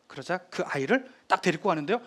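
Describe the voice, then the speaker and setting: A man lecturing on history, retelling drama scenes in a lively storytelling manner. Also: high-pitched, quick pace.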